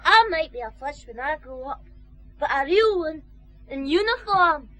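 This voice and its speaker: A woman's voice: high voice, expressive, normal speed, a bit bright, no echo. An actress playing a chirpy small boy in a radio drama. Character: cheeky little Glasgow street boy.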